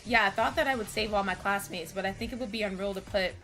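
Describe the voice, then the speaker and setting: A woman reading game dialogue aloud, voicing bantering, earnest anime visual-novel students in a theatrical, expressive way. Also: mid-range voice, quick pace, faint music behind, close to an everyday voice.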